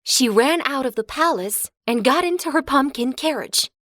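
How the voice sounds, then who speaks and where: A woman's voice: high-pitched, moderate pace, no echo, clean studio sound. Woman reading a children's story. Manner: clear, expressive, even reading. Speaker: narrator. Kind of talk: scripted storybook narration for children.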